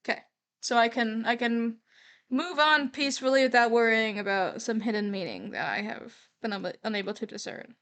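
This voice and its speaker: High-voiced woman livestreamer thinking aloud. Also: moderate pace, a bit bright. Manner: musing, thinking aloud, candid. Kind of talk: casual reaction commentary on a horror series.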